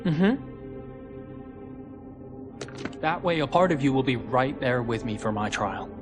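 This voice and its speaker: A man's voice: medium pitch, animated, moderate pace, over music, close to an everyday voice. A man playing an earnest, supportive young cadet with an encouraging manner in a video game cutscene. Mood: fond. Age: young adult. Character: earnest, supportive young male mech cadet, steady leader.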